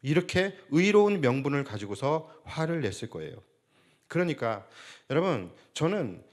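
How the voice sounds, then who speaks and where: A male senior pastor preaching a Sunday sermon, asking the congregation rhetorical questions and acting out quoted speech. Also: fairly high pitch.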